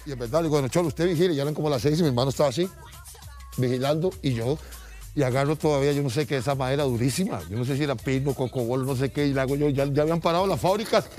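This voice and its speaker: A man's voice: mid-range voice, very fast, soft background music. A middle-aged Costa Rican man casually telling an anecdote, acting out the people in it. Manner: animated, acts out voices in his stories. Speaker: guest storyteller.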